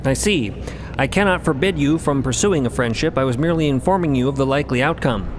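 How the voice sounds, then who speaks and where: A man voicing a solemn, courteous robed mystic in an audio drama, speaking formally and precisely over rumbling ambience. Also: quick pace, background noise, lightly acted. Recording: steady rumbling ambience under voice.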